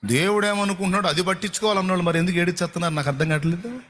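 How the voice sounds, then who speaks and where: High-pitched guy preaching, keeps repeating himself, throws questions at the crowd. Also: rapid-fire, a bit bright, slight background noise. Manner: rhetorical questions to the congregation; repetitive, colloquial preaching. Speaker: pastor. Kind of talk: sermon.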